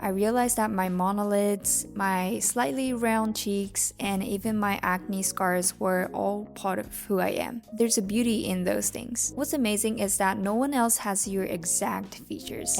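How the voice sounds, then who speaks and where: Soft-spoken young Japanese-accented woman. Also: medium pitch, creaky. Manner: soft-spoken, relaxed, many fillers. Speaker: makeup vlogger and dancer. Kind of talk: casual makeup tutorial talk. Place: home bathroom, indoors. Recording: roomy bathroom echo.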